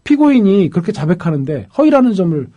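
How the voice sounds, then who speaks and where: Quick, animated man telling a story. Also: sits high, highs cut off. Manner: lively, quotes people in acted voices. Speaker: defense lawyer. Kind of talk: animated storytelling in a panel talk.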